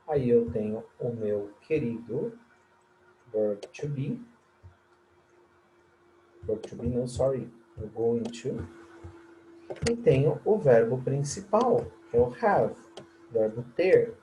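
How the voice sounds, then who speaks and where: Slow-paced Brazilian English teacher. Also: male voice, mid-range voice, dark tone, slight background noise, low-quality recording. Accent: Brazilian Portuguese. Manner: explains in Portuguese, models English sentences slowly; friendly, checks in with "tá?" and "guys". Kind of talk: recorded language lesson.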